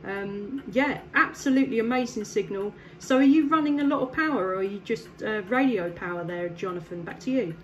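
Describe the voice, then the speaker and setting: An English woman operating a CB radio talks casually with a faraway contact from her home station, friendly and quick to laugh, with plenty of ums. She has a mid-range voice and speaks fairly quickly with hardly any pauses. The audio has its highs cut off and slight background noise.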